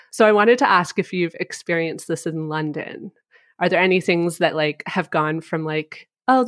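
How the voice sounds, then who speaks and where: A woman's voice: on the low side, no echo, clean studio sound. A young woman hosting a podcast, asking questions in a casual, curious chat. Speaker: podcast host.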